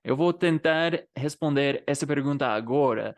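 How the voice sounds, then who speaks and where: A man's voice: medium pitch, normal speed. A man whose first language is English, speaking Brazilian Portuguese with an English accent and casually explaining to learners, often adding little tag questions. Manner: conversational, frequent tag questions. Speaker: language teacher and vlogger.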